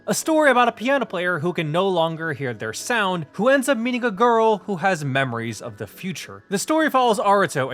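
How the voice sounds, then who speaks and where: A man narrating a scripted review of visual novels with an animated delivery. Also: high voice.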